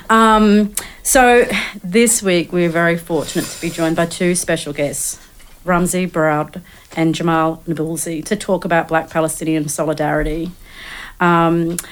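An Australian woman hosting a talk radio show, speaking in an easygoing way with frequent ums. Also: lowish voice. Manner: relaxed, hesitant with many ums.

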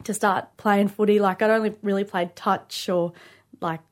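A woman's voice: medium pitch, fairly even intonation, moderate pace. Young Aboriginal Australian woman, chatting informally. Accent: Aboriginal Australian English. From Queensland, Australia. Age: late 20s. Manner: informal, with frequent "like" and "you know". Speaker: studio guest, rugby league player. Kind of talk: casual interview chat.

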